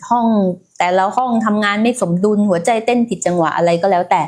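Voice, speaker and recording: A slightly mellow, mid-range female voice delivers her words at a quick clip. It belongs to the host of a casual health livestream, who chats freely, uses lots of fillers, and speaks directly to those tuning in.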